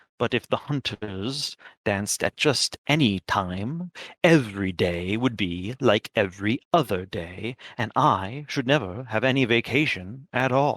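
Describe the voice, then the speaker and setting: In a put-on character voice, a man speaks at a fairly slow pace. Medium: audio drama. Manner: gentle, earnest.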